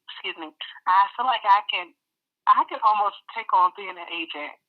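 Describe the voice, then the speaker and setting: A woman's voice: medium pitch, moderate pace. A middle-aged woman chatting casually in a phone interview, rambling and full of fillers. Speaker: interviewee, parent of child actors. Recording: tinny phone line.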